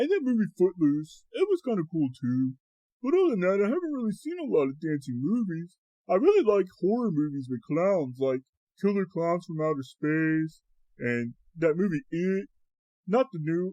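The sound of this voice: Using a put-on character voice, a man talks at a moderate pace and a high pitch.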